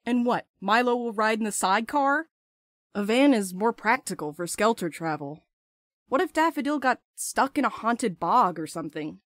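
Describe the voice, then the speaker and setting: A blunt, restless courier, dry sound. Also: female voice, fairly high pitch, animated, moderate pace, a bit bright, no echo. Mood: eager, teasing. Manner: blunt, sardonic, urgent. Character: restless, blunt young courier Val, eager to escape. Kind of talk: audio drama acting.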